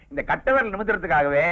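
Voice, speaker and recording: An actor playing a bossy, pompous hospital doctor who scolds the family, in a dull lo-fi film recording. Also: male voice, sits high, full character voice. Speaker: doctor character.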